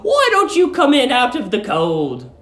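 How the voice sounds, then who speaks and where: A man voicing a sweet, eerily eager middle-aged English landlady in a cooing, genteel manner with drawn-out emphasis. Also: extremely high pitch, huge pitch swings, a bit bright, echoey room, voice pushed up, heavily acted. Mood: sweetly coaxing.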